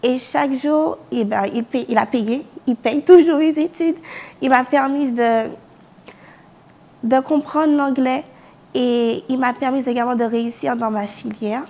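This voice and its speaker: A fairly high-voiced young woman from France shares her faith testimony. She speaks earnestly, restarts her sentences often and breaks into small laughs. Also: measured pace, dark tone. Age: young adult. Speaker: university student giving testimony. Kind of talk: spoken personal testimony.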